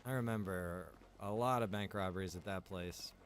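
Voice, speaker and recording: A man's voice: low-pitched, normal speed, slight background noise. A man streaming a game, talking in a casual, informal, reminiscing way. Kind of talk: casual chat while streaming roleplay game.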